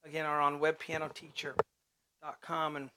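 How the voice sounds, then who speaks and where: A man with a high voice teaching a piano piece step by step, chatting casually as he calls out note names and hums the riffs. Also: completely flat delivery, normal speed, background noise. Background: loud piano playing.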